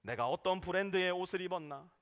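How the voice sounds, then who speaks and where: A man preaching a sermon as pastor in a church, animated, now and then acting out what church members say. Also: sits high, fast talker, dull audio. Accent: Korean. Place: church sanctuary. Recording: long hall reverb.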